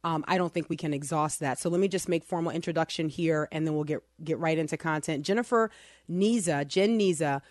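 A woman's voice: low voice, fairly quick, a little mellow, no echo, clean studio sound. Earnest woman hosting a faith talk show. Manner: earnest, chatty, many restarts and fillers. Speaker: podcast host. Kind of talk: casual Christian talk show chat.

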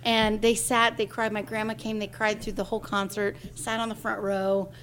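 A woman in her forties talks through a personal story in a relaxed interview, with a voice of ordinary pitch. She brings the tale to life by acting out the people she quotes. It sounds like a singer chatting with friends. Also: normal speed. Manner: lively storyteller who acts out quoted voices.

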